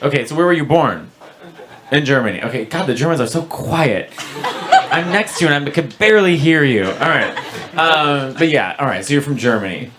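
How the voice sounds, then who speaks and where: A man doing conversational stand-up comedy and crowd work, slipping into foreign phrases and mimicry. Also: a little high. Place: comedy club stage. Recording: noisy comedy club stage recording.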